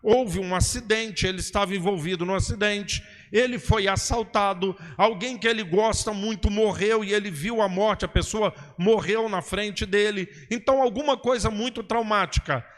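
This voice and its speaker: Male preacher, high voice, didactic question-and-answer sermon delivery, long hall reverb. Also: normal speed, hardly any pauses. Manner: didactic, repeats "ok?" and "entendeu?", asks and answers his own questions. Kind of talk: sermon-style teaching talk.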